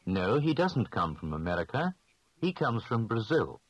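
A man giving slow, clearly spoken answers in a scripted language lesson drill. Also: lowish voice, very animated, highs cut off, background noise.

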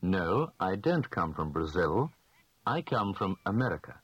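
A man giving slow, clearly spoken answers in a scripted language lesson drill. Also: low-pitched, very animated, no room sound, muffled recording.

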